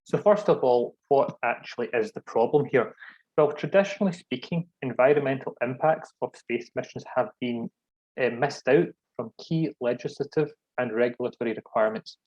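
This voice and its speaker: A man's voice: mid-range voice, normal speed, darkish tone. Scottish man presenting, thick broad accent. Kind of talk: webinar presentation. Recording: dull, lo-fi online call audio.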